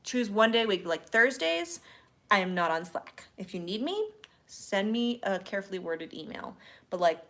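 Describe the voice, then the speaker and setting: A woman's voice: mid-range voice, big pitch swings, moderate pace, fairly bright tone. A woman co-hosting a casual, slightly tipsy question-and-answer stream, chatty and playful with lots of fillers. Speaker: podcast co-host answering listener questions.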